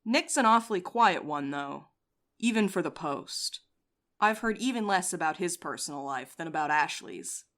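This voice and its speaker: A woman voicing a composed, wry courier in an audio drama, calmly taking charge and teasing the others. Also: fairly low pitch, moderate pace. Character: dry, scheming woman courier, coolly in charge. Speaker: night courier Val.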